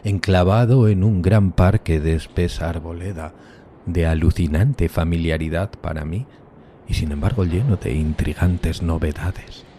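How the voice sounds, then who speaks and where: A man's voice: deep voice, fairly even intonation, measured pace, warm tone, slight background noise. A man playing a solitary, tormented outcast, narrating a gothic horror audio drama in a solemn, theatrical, literary manner. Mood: brooding.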